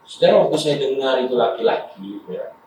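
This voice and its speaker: A man's voice: mid-range voice, expressive, brisk, darkish tone, faint music behind. A male pastor from Indonesia preaching a sermon, telling personal stories and often calling out to the congregation. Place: church. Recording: echoey church hall from far off.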